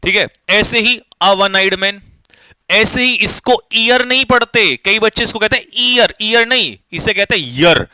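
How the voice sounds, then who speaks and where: A man's voice: high-pitched, expressive, a little slow, pushed and bright, dry recording. A man teaching English grammar, urging students to hurry and asking and answering his own questions. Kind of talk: online exam-prep lesson.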